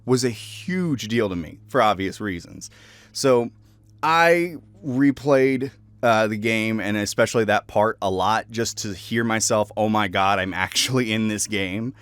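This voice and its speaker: A man's voice: mid-range voice, fairly bright tone, clean tone, dry recording. A young adult man, a voice actor, talking casually and reflectively about his work. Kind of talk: casual reflective commentary on own roles.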